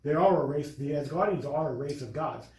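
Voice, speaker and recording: A man in a casual film discussion, explaining in a halting way and repeating his phrases. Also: on the high side, a little mellow. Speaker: podcast co-host. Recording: roomy, echoing room sound.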